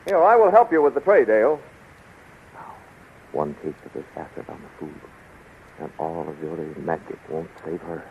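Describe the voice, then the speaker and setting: An actor playing a defiant, protective heroic captive with earnest, dramatic delivery, in 1930s radio serial style. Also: male voice, low voice, normal speed, vocal fry, pauses often. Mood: conspiratorial. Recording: muffled, noisy 1930s radio recording.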